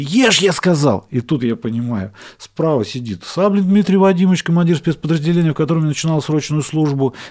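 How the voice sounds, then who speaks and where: An ordinary speaking voice, a man's at fairly high pitch, moves at a fairly quick pace with lively intonation on a very clean recording with a silent background. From central Russia, Kaluga. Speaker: war veteran. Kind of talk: interview.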